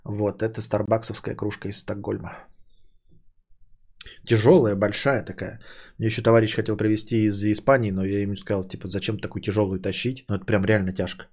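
A man's voice: on the low side, flat delivery, a little mellow. Rambling, jokey male podcaster. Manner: jokey, rambling, deliberately mangles words. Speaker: podcast host. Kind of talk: casual solo podcast chat.

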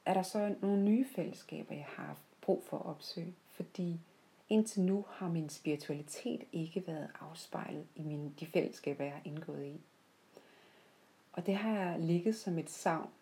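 A woman telling personal stories off the cuff in a heartfelt, reflective way, often pausing mid-sentence. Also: on the low side, mellow, rough recording. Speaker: podcast host. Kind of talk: unscripted reflective personal storytelling.

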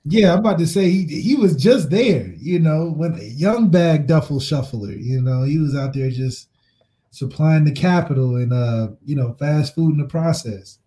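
Male co-host, relaxed casual sports talk, dark and mellow, slightly high pitch. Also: moderate pace. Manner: laid-back, agreeing, short interjections. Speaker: podcast co-host.

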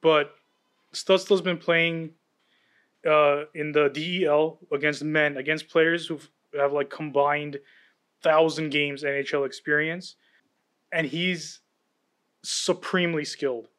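Brief: male podcast co-host, confident and enthusiastic analysis, voice a bit high. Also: little pitch movement, slow, fairly bright tone, clear, resonant tone. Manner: confident, breaks down players with enthusiasm. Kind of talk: casual sports chat.

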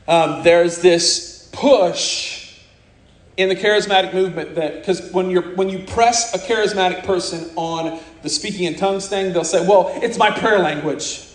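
An American man delivers a sermon full of fiery, blunt scorn, his high voice suddenly slowing to drag out punchlines for emphasis. The room around him is echoey, so his words ring.

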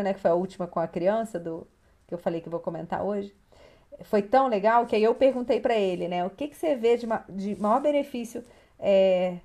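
A woman from Brazil, a family coach, telling session stories and acting out what clients said. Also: on the high side. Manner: animated storyteller, acts out clients' replies. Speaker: child and parent coach. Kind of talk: casual chat about coaching sessions.

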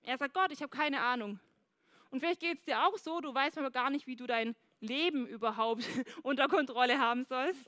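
Female preacher, high bright voice, dry close sound; lively sermon delivery, addresses the congregation directly. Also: brisk, no echo. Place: church service.

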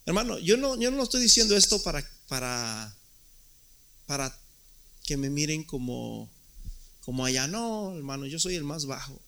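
A man's voice: a little high, sing-song, normal speed, gravelly, long pauses, a bit bright. A man preaching a sermon as pastor, emphatic and often repeating words.

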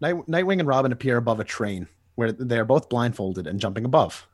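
A man co-hosting a podcast, narrating comic panels aloud with lively delivery. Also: mid-range voice, fairly quick. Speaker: podcast co-host.

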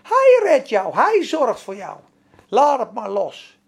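A man preaching a sermon, animated, swinging between loud exhortation and soft prayer-like passages. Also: very high-pitched, takes it slowly, creaky, husky. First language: Dutch.

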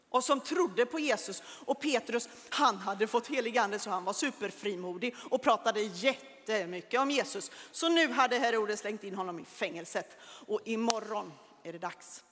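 A woman with a high, bright-sitting voice tells a Bible story to children, animated and dramatic. Her words ring out with a long reverb, as in a large church hall.

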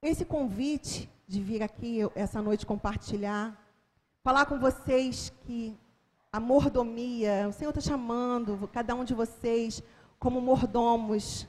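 A Brazilian woman giving a sermon testimony in church, telling her story dramatically and rising into fervent proclamation. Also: fairly high pitch. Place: church hall. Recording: long church hall reverb.

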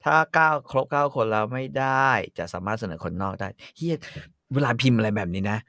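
A man's voice: lowish voice, lively intonation, brisk, fairly bright tone, dry recording, clean studio sound. A man chatting bluntly and swearing casually as he talks about politics. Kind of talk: casual chat with karaoke singing.

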